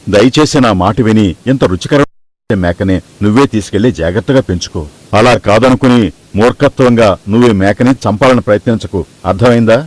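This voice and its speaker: Man playing a quick-talking, lowish-voiced firm grandfather. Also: lightly acted, low-quality recording. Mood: firm persuading. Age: older. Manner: firm, persuasive. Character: firm, reasoning old grandfather. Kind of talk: Telugu cartoon dubbing.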